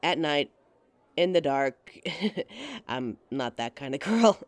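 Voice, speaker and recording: A woman's voice: low voice, sing-song, slow pace, creaky, dry recording, full character voice. A woman playing a giggly, teasing date. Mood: friendly. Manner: teasing and giggly, laughs often. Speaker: voice actress in an audio roleplay. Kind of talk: audio roleplay addressing the listener as a date.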